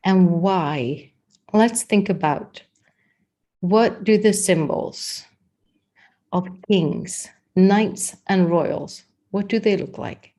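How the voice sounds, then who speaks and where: A woman with a Danish accent teaching body language in a chatty, unhurried workshop talk, with many fillers and restarts. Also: mid-range voice, mellow. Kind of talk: live-streamed workshop talk.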